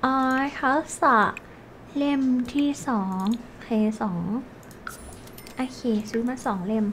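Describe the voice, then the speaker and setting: A woman's voice: high-pitched, slow, a bit bright, a little hiss or hum. A woman hosting a gaming channel, chatting playfully to viewers as she comments on her game.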